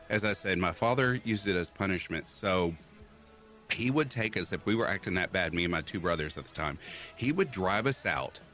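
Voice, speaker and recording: A man chatting casually on a livestream, telling childhood stories with exaggerated quoted voices. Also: low voice. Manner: animated storyteller, jumps into exaggerated quoted voices. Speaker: podcast guest. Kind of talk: casual chat, storytelling.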